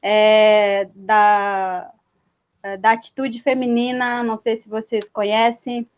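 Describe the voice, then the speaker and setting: A young woman rapper from Mato Grosso do Sul, whose first language is Guarani, speaks seated in a live stream. She talks slowly and hesitantly, with many fillers. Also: medium pitch, flat delivery. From Mato Grosso do Sul, Brazil. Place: indoors, seated. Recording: dull lo-fi sound.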